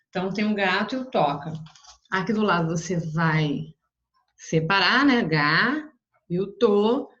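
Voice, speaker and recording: A woman's voice: on the low side, fairly bright tone, muffled recording. A woman teacher with a Brazilian Portuguese accent, patiently walking young pupils through homework step by step. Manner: patient, explains step by step with frequent "né" and "ó".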